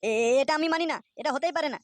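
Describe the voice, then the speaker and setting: A man's voice: very high-pitched, fast, no echo. A man voicing an indignant, hot-tempered village father in a comedy cartoon, blustering and scolding crudely. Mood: indignant, defensive. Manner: blustering, foul-mouthed scolding. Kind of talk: Bengali comedy cartoon dubbing.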